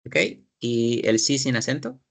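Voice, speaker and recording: A man's voice: mid-range voice, steady tone, measured pace, gravelly. A man teaching an English class, explaining grammar in Spanish, repeating his students' sentences and asking guiding questions.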